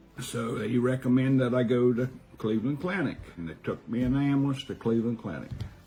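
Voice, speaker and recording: This man talks at a very fast pace and medium pitch, with ordinary pitch variation, against noticeable background noise. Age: 70s. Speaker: testimony giver. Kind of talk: testimony. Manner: halting.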